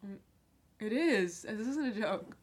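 A woman co-hosting a podcast in casual chat, excitable, repeating herself and breaking into laughter. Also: medium pitch, unhurried, a little hiss or hum. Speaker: podcast co-host.

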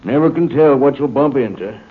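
An actor playing a folksy, laconic rancher with an American accent in a 1950s radio drama. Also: male voice, mid-range voice, expressive, fairly quick, close to an everyday voice. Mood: folksy, wary. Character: folksy laconic male rancher, secretly a calm alien pilot. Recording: tinny, hissy 1950s radio recording.

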